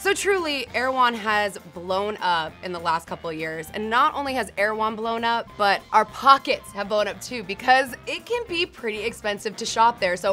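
Faint music plays behind a woman who speaks with hardly any pauses. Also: moderate pace. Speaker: food video host. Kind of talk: casual tasting commentary. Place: studio. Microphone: lapel.

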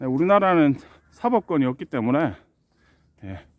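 The man's pitch swings up and down very widely. He speaks at a fairly slow pace. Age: 50s. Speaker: birdwatching guide. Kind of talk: vlog monologue. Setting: outdoors. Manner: halting.

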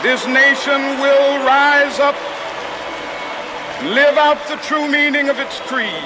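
A raised, projected voice moves at a very slow pace with monotone, flat intonation and long, frequent pauses over noticeable background noise. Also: man, extremely high pitch for a man. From United States. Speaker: civil rights activist and Baptist minister. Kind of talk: historic public speech to a crowd. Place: stage. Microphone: old recording.

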